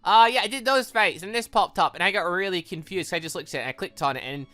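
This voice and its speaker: A man hosting a game playthrough, rambling casually and excitably as he thinks aloud and drifts off on tangents. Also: high voice, fast, soft background music. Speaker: host of a game playthrough series. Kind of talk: casual rambling gaming commentary.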